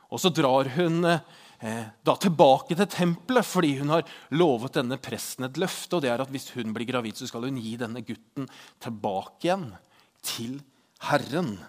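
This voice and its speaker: A man's voice: medium pitch, lively intonation. Man teaching a chatty Bible lesson. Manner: chatty, asks the listener questions. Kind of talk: Bible lesson, reading scripture aloud.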